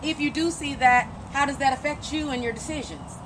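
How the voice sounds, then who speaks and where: A woman's voice: high-pitched, brisk, background noise. A woman coach interviewing and giving an emphatic, encouraging pep talk, repeating phrases for emphasis.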